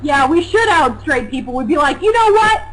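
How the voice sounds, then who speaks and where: A young woman with a high voice talks loudly and animatedly on a casual talk show. She teases and laughs easily as she co-hosts. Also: moderate pace, low-quality recording. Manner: loud, animated, mocking, laughs often. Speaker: co-host.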